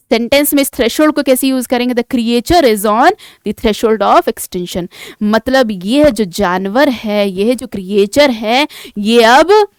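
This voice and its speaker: A woman's voice: high-pitched, clear, resonant tone, dry recording, clean studio sound. A woman teaching an exam-prep vocabulary lesson, explaining patiently, repeating key words and asking rhetorical check questions.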